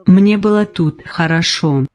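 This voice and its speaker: A woman in her nineties, speaking slowly in short simple sentences while giving personal testimony as an interviewee. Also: lowish voice, darkish tone. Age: 90s. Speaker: patient interviewee.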